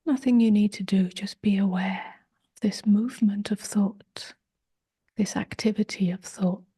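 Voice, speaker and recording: A woman leading a guided meditation, speaking softly in short phrases with long pauses, gentle and often close to a whisper. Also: medium pitch, fairly even intonation. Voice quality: soft, breathy, husky, often near a whisper. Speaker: meditation teacher.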